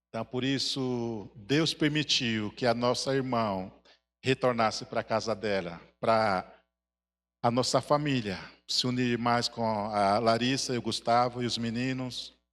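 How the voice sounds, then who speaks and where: This man speaks with a non-native accent at a fairly slow pace. His intonation is fairly even, and the recording is very clean with a silent background. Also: medium pitch for a man. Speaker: itinerant missionary. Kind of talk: sermon.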